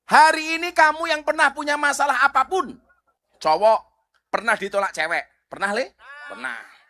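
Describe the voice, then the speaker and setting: A middle-aged man with a Javanese accent preaching a sermon, animated, asking the crowd rhetorical questions. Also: extremely high pitch, normal speed.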